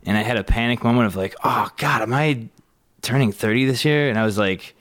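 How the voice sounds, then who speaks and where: A man's voice: mid-range voice, a little fast, a bit bright. A man in his thirties chatting casually and telling stories in a comedic way. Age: 30s. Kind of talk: casual comedic chat and storytelling.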